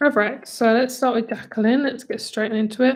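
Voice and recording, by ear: A put-on character voice sounds raspy and hoarse. It moves at a moderate pace with monotone, flat intonation. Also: woman.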